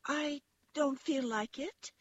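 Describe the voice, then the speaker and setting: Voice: high-pitched, takes it slowly, no echo, highs cut off, pitched above the performer's own voice. A narrator voicing a small, young toy rabbit in a storybook, timid, defensive and wistful, with a plaintive, insistent way of talking. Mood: reluctant.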